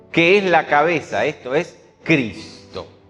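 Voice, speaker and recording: Music in the background behind a man's very slow speech. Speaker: pastor. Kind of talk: sermon.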